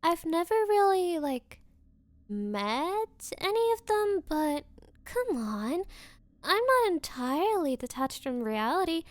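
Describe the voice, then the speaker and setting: A woman's voice: very high voice, sing-song, slow, no room sound, full character voice. A young woman voicing a spoiled, possessive rich girl in an anime-style ASMR roleplay, coy and haughty with hesitant, valley-girl phrasing. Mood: haughty, confessing. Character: bratty spoiled rich girl, possessive, smitten but defensive.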